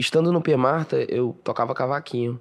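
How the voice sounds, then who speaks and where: It is a plain, everyday voice. Its speed is moderate. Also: man. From Fortaleza, Ceará, northeast Brazil. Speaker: singer and songwriter. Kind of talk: interview.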